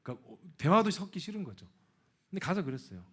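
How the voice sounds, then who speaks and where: A middle-aged male pastor preaching in a church. His higher voice swings widely in pitch as he acts out the dialogue in his story. The tone is a little husky. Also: fast talker. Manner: animated, acts out quoted dialogue. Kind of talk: sermon with personal story. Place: church sanctuary.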